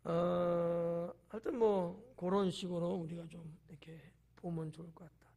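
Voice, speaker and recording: A man's voice: fairly high pitch, little pitch movement, unhurried, warm tone. A male pastor giving a conversational sermon, explaining the passage and asking the congregation questions. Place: church.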